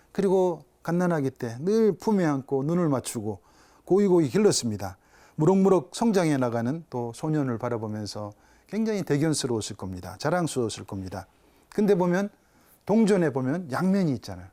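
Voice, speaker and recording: A male Catholic priest delivers a spiritual talk in a somewhat high, mellow voice. His pitch rises and falls widely as he tells a story. He keeps putting rhetorical questions to his listeners. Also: sing-song, brisk.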